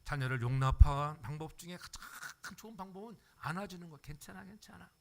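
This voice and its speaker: A man's voice: a little high, lively intonation, fairly quick, slight background noise. An older man preaching a sermon as pastor, acting out everyday voices and checking in with the congregation. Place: church sanctuary.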